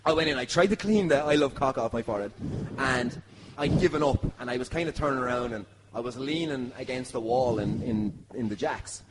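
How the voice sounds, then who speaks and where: A man's voice: medium pitch, brisk. An Irish man trading boisterous, jokey banter and telling stories in colourful slang. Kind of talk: boisterous live group banter and storytelling. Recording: noisy crowd around the microphone. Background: lively crowd.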